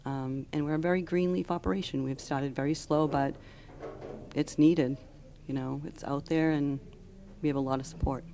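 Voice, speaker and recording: Deep, creaky-voiced woman being interviewed. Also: steady tone, moderate pace, dark tone. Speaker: charity founder being interviewed. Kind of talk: unscripted interview answers. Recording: on-location audio with background noise.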